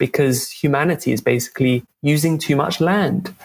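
Here a man talks with a southern English accent. His pitch varies in an ordinary way. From London, England. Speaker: food waste campaigner. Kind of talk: interview.

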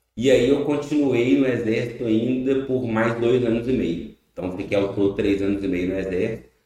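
A man speaks at a moderate pace in an unremarkable speaking voice, medium in pitch with ordinary variation and hardly any pauses. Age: 30s. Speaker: company founder and CEO. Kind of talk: casual interview. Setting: in person at his company office. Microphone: audio technical problems.

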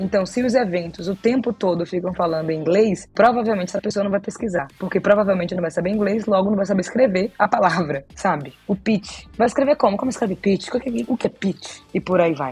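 At a fairly quick pace with hardly any pauses, a woman talks at medium pitch with ordinary pitch variation over noticeable background noise. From Salvador, Bahia, Brazil. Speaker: entrepreneur. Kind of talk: interview.

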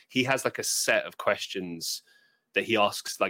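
The very clean recording has a silent background and a dry, close sound with no echo as a man speaks with a British accent. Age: 20s. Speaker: podcast host. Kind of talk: casual chat.

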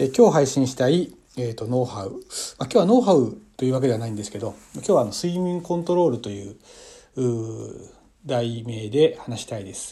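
The voice is somewhat breathy and dark, with a mellow tone, moving at a fairly quick pace. Its intonation is lively, with big swings in loudness. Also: man, medium pitch for a man. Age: 40s. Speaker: salesman podcaster. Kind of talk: casual monologue. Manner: halting, many fillers.

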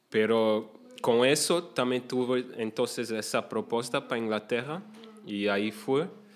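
In a plain, everyday voice, a man talks at a fairly slow pace with fairly even intonation. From Portugal, Lisbon. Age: 20s. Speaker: guest, telecom worker. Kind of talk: casual interview.

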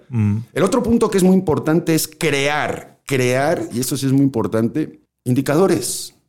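This is a man with an unremarkable speaking voice and fairly high pitch. His intonation is lively and he takes hardly any pauses. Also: fairly slow pace. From Spain, Madrid. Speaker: business consultant. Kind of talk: interview.

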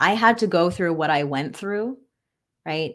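A woman speaks at a moderate pace in a fairly low voice, her pitch swinging very widely. The recording is very clean, with a silent background. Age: 30s. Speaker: podcast host and binge eating coach. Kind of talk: motivational talk to audience. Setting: livestream with viewers commenting.

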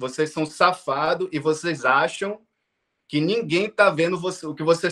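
Fairly high for a man, this man's voice has a bright, sharp tone and ordinary pitch variation. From Salvador, Bahia, Brazil; in the US from age 13. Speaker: US Army veteran and law enforcement officer. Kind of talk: casual interview. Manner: halting, many fillers.

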